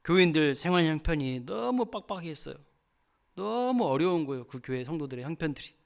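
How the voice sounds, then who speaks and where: A man's voice: fairly high pitch, animated, fairly quick, vocal fry. A male pastor giving a sermon, telling a story and asking the congregation questions.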